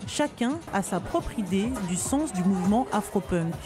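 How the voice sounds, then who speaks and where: A woman reading a scripted news report in a measured, formal voice. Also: mid-range voice, expressive, over music. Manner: measured, formal voice-over delivery.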